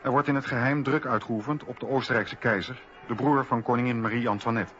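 A man's voice: mid-range voice, fairly even intonation, brisk, a bit bright, highs cut off. A man narrating a scripted historical radio documentary.

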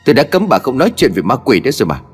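A man voicing a bad-tempered older husband who barks quick threats, in a horror story with long reverb and faint music. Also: medium pitch, sing-song, slightly rough. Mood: angry. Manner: rapid, barking, threatening.

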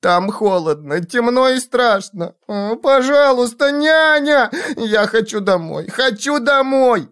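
A small, frightened boy played by a male narrator whimpers and pleads in a high, swooping voice. He is homesick and whiny, a child from a dramatized audiobook. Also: animated, slow pace, hardly any pauses, fairly bright tone, clear, resonant tone, exaggerated voice. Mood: frightened pleading. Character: terrified, whining small boy telepath, homesick for nanny.

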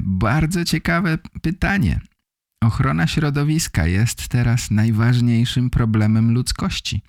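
A man hosting a language-learning podcast, speaking in simple, measured, appreciative sentences. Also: medium pitch, a little mellow, no room sound, clean studio sound. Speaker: podcast host for learners of Polish. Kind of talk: slow, simple scripted talk for language learners.

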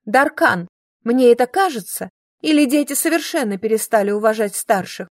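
A woman's voice: on the high side, lively intonation, normal speed, no echo, clean studio sound, lightly acted. A woman voicing a seductive woman professor who speaks in a charming, sing-song manner. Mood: coy. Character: seductive long-legged woman professor, coy.

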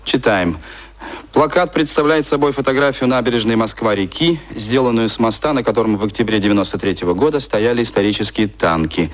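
A man's voice: fairly low pitch, a little fast, close to an everyday voice. An actor playing a cynical, convivial adman in a radio play, talking like a sardonic mentor over drinks. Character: cynical, convivial male adman, former propaganda official, drinking. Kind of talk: naturalistic radio play dialogue.

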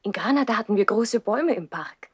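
Teen noble girl, coy n soft, a bit high, swoopy pitch, old radio play. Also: animated, brisk, slightly rough. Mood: friendly, coy. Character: Ursula, coy, gentle seventeen-year-old noble girl. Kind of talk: 1960s German radio play acting.

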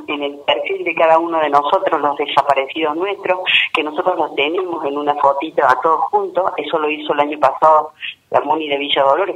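An Argentine woman from a human rights group, calling into a radio show and explaining plans step by step, pausing to find her words. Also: low voice. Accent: Argentine Spanish. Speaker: human rights group member, phone guest. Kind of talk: casual radio phone interview. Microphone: telephone. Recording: tinny phone line.

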